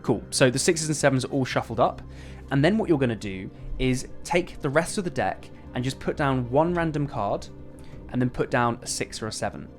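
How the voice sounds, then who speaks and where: A man's voice: mid-range voice, expressive, moderate pace, soft background music. A man presenting a casual step-by-step card magic tutorial in instructive, conversational magician patter.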